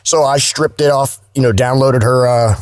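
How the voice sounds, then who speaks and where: A man's voice: medium pitch, steady tone, normal speed, dry recording. Southern US man in close, dry sound. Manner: folksy, colloquial, profane. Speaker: guest, voice-over artist. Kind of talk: casual podcast chat.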